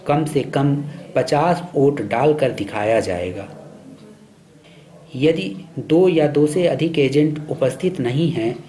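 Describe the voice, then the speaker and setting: This training-film narration comes from a man with a medium-pitched, mellow voice, reading his script in a formal, deliberate, teaching manner. Music plays in the background.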